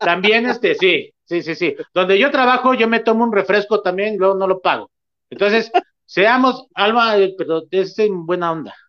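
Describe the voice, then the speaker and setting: With a Mexican accent, the speaker keeps a moderate pace. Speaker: podcast host. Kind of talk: casual chat.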